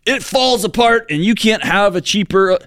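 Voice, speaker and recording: A man's voice: animated, normal speed, a bit bright, no room sound, studio quality. A man in his forties co-hosting a talk show, speaking in an earnest, reflective way with emphatic outbursts. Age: 40s. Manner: earnest, reflective, emphatic with sudden jumps in pitch. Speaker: co-host. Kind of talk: casual podcast discussion.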